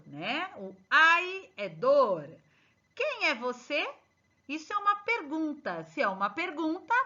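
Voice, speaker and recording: A woman teacher, slowly and emphatically going through exercise answers with her pupils. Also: high-pitched, sharp tone. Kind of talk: exercise correction lesson. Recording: dull lo-fi recording.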